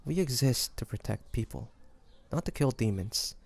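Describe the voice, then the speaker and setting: Hesitant, gravelly-edged earnest hunter played by a man. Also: medium pitch, lively intonation. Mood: reflective, remorseful. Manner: hesitant, halting, soft-hearted delivery with pauses. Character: earnest young male demon hunter, guilt-ridden, gentle, hesitant. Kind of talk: dramatic audio roleplay acting addressed to the listener.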